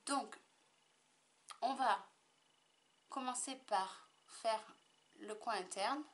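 A woman's voice: on the high side, drawn-out words. A woman chatting casually to the camera in a makeup tutorial, rambling with lots of fillers and restarts. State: tickly throat. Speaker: makeup vlogger.

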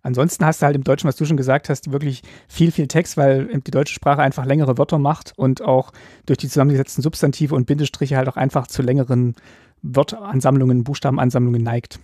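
A man co-hosting a casual podcast discussion, explaining things quickly in his native German, with lots of filler words. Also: mid-range voice, level tone, warm tone, no room sound, clean studio sound. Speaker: podcast co-host.

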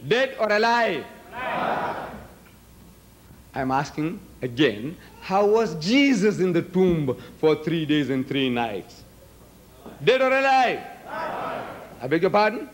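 A man's voice: a little high, big pitch swings, slow pace, long pauses, a little hiss or hum. An older man whose first language is Gujarati, arguing emphatically at a podium in a large hall, firing rhetorical questions at the audience. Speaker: debater. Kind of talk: public debate speech. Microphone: podium microphones.

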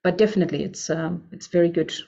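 A woman's voice: lowish voice, steady tone, fast talker, creaky, mellow. Woman, middle-aged, Portuguese accent, informal explanatory webinar presenter. Dull lo-fi recording. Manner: often checks in with "right?". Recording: dull, lo-fi web call audio.

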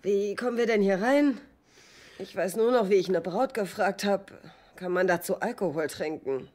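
A woman's voice: mid-range voice, moderate pace, darkish tone, natural voice. An actress playing a brash, easygoing, blunt party woman in a German sitcom dub. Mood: blunt, unbothered.

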